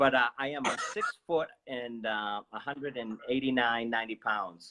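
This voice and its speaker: A man with a Boston accent, medium in pitch with ordinary variation. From Boston area, Massachusetts. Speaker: martial arts instructor. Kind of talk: interview conversation. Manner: fast talker; animated, repetitive false starts.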